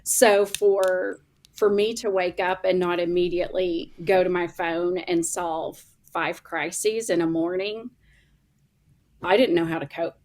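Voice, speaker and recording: A woman's voice: lowish voice, steady tone, measured pace, a little mellow. Oklahoma lady, middle-aged, upbeat chatty podcast guest over a video call. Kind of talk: casual chat.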